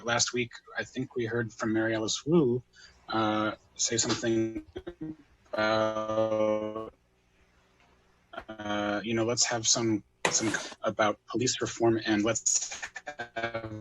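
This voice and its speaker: A man from Urbana, Illinois, giving public comment over a breaking-up remote call, halting and full of fillers. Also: lowish voice, little pitch movement, a bit bright, faint music behind, rough recording. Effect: breaking-up remote call audio. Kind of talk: public comment at a council meeting.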